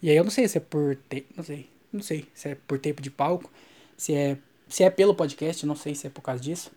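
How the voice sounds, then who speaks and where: A man's voice: a little high, fast talker, dark tone. A Brazilian man, a stand-up comedian, hosts a solo podcast, talking casually and thinking aloud with frequent restarts. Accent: Brazilian Portuguese.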